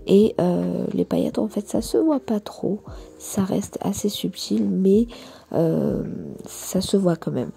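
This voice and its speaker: A woman reviewing nail gels and narrating a nail tutorial, hesitant with many fillers and soft half-whispered asides. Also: mid-range voice, takes it slowly, creaky, faint music behind. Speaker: nail artist reviewing products. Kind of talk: product review and tutorial voice-over.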